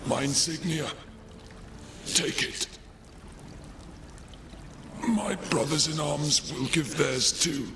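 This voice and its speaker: An actor playing a weary, despairing old soldier in a video game, speaking in a strained, halting, solemn way over watery background noise. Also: male voice, fairly high pitch. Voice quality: gravelly, strained. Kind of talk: video game cutscene acting.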